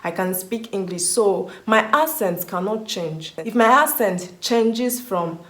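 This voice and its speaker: A woman's voice: medium pitch, takes it slowly, roomy sound. A young woman from Nigeria with a Nigerian accent, answering viewer questions in a chatty vlog, often repeating words for stress. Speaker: vlogger. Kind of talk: casual Q&A vlog.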